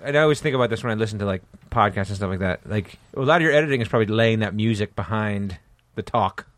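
A man's voice: fairly low pitch, quick pace, a bit bright, no echo. A man hosting a podcast, chatting casually, rambling and swearing as he goes. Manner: rambling, swearing, trails off mid-word. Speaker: podcast host. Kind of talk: casual chat.

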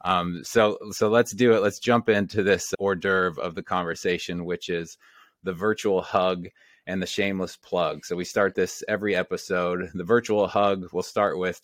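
A man's voice: sits low, fairly even intonation, moderate pace, dry recording. A man hosting a podcast interview, upbeat and enthusiastic as he welcomes his guest and leads the conversation. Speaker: podcast host.

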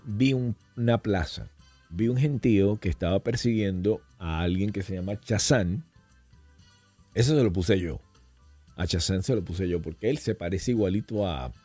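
A man's voice: on the low side, slightly rough, no echo. A middle-aged man, a podcast guest, telling stories in casual conversation and slipping into voices and accents as he goes. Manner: animated storyteller who slips into voices and accents.

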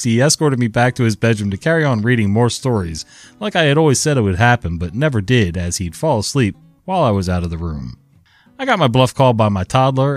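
A man's voice: medium pitch, dry recording. A man reading online stories aloud and adding his own casual commentary. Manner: lively, conversational storytelling. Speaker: story narrator.

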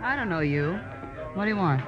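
A woman's voice: fairly low pitch, expressive, a little fast, natural voice. A cagey, hard-edged femme fatale played by a woman from a vintage radio detective show. She talks in a curt, guarded, challenging way. The recording is muffled, with faint music. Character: tough, cagey blonde femme fatale, female double-crosser. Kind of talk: 1940s-50s radio detective drama acting.

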